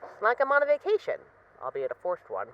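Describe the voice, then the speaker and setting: A woman's voice: on the high side, wildly swooping pitch, fast talker, highs cut off, slight background noise. A woman acting as a bored, restless mafia boss who misses a partner, talking in a wry, dramatic, rambling way in an intimate voice-message roleplay. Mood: exasperated, wry.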